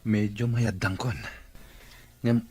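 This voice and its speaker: Husky, low, kindly gentleman, acted. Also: steady tone, slow pace. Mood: grateful. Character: kindly, weakened wheelchair-bound male employer. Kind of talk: Filipino radio drama acting in Ilocano.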